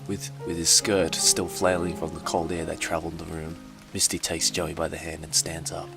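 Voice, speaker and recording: A man's voice: low-pitched, little pitch movement, moderate pace, gravelly. A man giving a hammy, mock-dramatic comedic reading of fan fiction as narrator, with music behind him.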